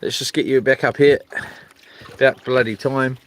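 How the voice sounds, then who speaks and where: A man's voice: mid-range voice, fairly even intonation, moderate pace. A man with a broad New Zealand accent chatting casually and slangily in a laid-back livestream, talking to himself and his viewers from a small boat. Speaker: fishing livestreamer. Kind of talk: casual rambling livestream chat. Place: outdoors on a small boat on the water. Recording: noisy outdoor boat recording, water and clicks.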